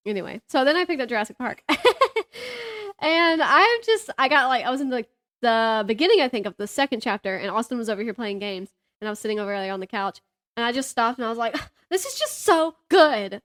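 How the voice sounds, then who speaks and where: A woman's voice: a little high, animated, fairly quick, a bit bright. A woman in her thirties chatting casually about books as a podcast co-host, giggly and gushing. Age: 30s.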